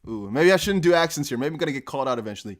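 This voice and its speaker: A man's voice: fairly high pitch, animated, very fast. Young guy rambling on his live stream, lots of likes and ums, voice bounces all over. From Netherlands. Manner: rambling, laughs often, many fillers. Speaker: crypto livestream host. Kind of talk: casual live stream chat.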